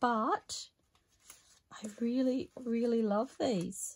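The voice has a dark, mellow tone with ordinary pitch variation. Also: woman. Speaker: craft YouTuber. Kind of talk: craft tutorial vlog. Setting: home craft room. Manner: soft-spoken. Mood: calm, relaxed. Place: home room.

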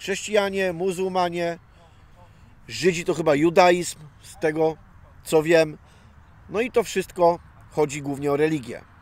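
At a fairly slow pace, a man with a high-pitched voice talks with long, frequent pauses, ordinary pitch variation and big swings in loudness, in a dry sound with no echo. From Poland, Nowa Sól; Poland. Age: 30s. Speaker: vlogger. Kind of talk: casual vlog monologue. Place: open country.

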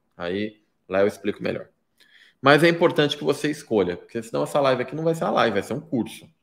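With vocal fry and lively intonation, a man at medium pitch talks at a very fast pace. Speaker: political marketing consultant. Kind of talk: live-stream lecture. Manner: direct, plain-spoken. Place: home room.

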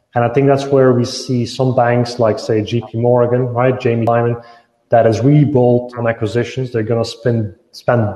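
Over a quiet background with audible room echo, a man speaks at a moderate pace in a medium pitch, sounding somewhat breathy. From Belgium / Italy; Belgium. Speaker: fintech entrepreneur; speaker. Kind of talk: panel discussion. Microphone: earbuds.

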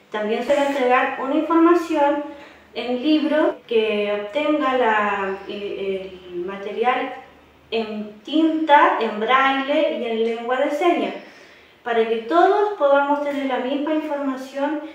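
In a room with strong echo, a woman with a high pitch speaks at a fairly slow pace with lively intonation. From southern Chile. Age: 30s. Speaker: campaign participant. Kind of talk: advocacy statement to camera.

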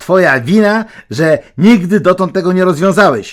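Using a put-on character voice, a man speaks at a moderate pace in a high pitch with a hissing quality. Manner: hissing, cold, bitter.

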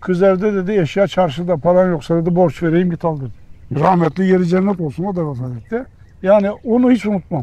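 A man talks at a fairly quick pace in a high pitch, with a dark, mellow tone. The sound is dry with no echo. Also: ordinary pitch variation. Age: 70s. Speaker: retired auto body worker, villager. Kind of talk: interview answer. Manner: casual, conversational. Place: garden. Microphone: lapel.

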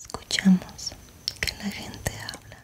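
Someone whispers at a very slow pace. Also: woman. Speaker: streamer reading a book. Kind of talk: reading aloud and casual live-stream chat. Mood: calm, gentle.

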